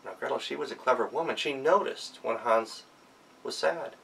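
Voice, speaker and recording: A man with an American accent telling a folktale aloud as a storyteller, with dramatic pauses and repetition. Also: medium pitch, creaky, fairly bright tone, recorded from a distance, slight background noise, rough recording. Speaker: professional storyteller. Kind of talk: animated oral folktale telling.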